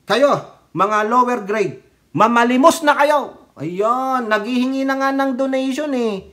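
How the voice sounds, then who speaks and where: A man's voice: extremely high pitch, a little slow, a bit bright. A man delivering casual political commentary for his vlog, mocking and heckling his targets and talking straight to his viewers. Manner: often breaks into laughter. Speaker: political vlogger.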